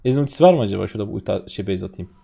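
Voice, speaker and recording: A man in his twenties from Turkey, a streamer chatting excitedly to viewers while commentating his own gameplay. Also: lowish voice, rapid-fire, gravelly, breathy edge. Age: 20s.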